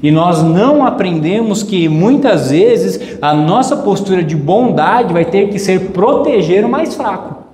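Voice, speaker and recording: A man's voice: high-pitched, expressive, a little slow, hardly any pauses, a little mellow, slight background noise. A man with a Brazilian Portuguese accent preaching a sermon, emphatic, repeating phrases and acting out quoted voices. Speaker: pastor. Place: church hall. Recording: echoey church hall with long reverb.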